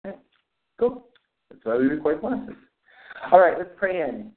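A man leading a spiritual class on a conference call, calling the roll and guiding a prayer in an unhurried, plain-spoken way. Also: sits high, very animated. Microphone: phone call. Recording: tinny phone line.

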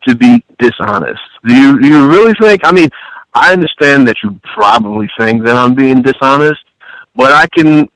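A man's voice: medium pitch, lively intonation, normal speed, a bit bright, no room sound, low-quality recording. A man born in France, a guest on a call-in radio show, defending himself and restarting his words often.

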